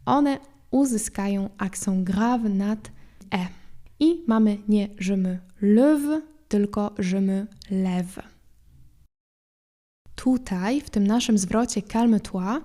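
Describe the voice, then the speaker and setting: Mellow-voiced woman teaching a lesson. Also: medium pitch. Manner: patient, repeats French words slowly for practice. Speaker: French teacher and podcast host. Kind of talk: explanatory language lesson.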